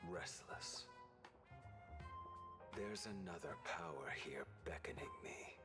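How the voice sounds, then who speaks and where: A man voicing a brooding, ominous game character who speaks in a slow, grave, terse manner. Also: low-pitched. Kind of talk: video game voice acting. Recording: loud music behind the voice.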